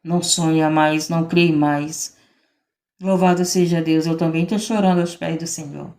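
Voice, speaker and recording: A woman's voice: low-pitched, steady tone, moderate pace, a little mellow. A woman missionary preaching a fervent sermon, repeating phrases and building emphasis. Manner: fervent, repetitive exhortation with rising emphasis.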